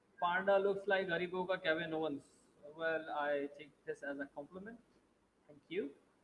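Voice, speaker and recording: A man's high voice at a moderate pace, with light background noise. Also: fairly even intonation. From Pakistan. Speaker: pro wrestler and stand-in live stream host; guest. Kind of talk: casual live stream chat. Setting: online live stream from laptop. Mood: joking, playful. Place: home room. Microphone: video call.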